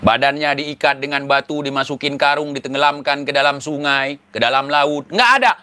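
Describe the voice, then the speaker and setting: A man's voice: mid-range voice, monotone, normal speed, bright, forceful tone, smooth. A man from Aceh, giving mocking, sarcastic commentary. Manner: mocking, teasing, laughs at his targets. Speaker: online commentator.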